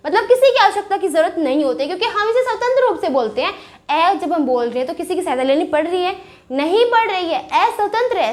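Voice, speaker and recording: Lively high-voiced Indian woman teaching. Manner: chatty, asks questions and answers them herself. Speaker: Hindi grammar teacher. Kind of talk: casual explanatory lesson.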